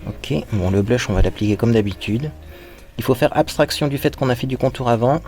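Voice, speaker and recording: A man's voice: mid-range voice, a little fast, a little mellow, soft background music. Chatty man giving a makeup tutorial. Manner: chatty and playful, with little sound words; talks to viewers while applying makeup. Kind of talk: casual makeup tutorial chat.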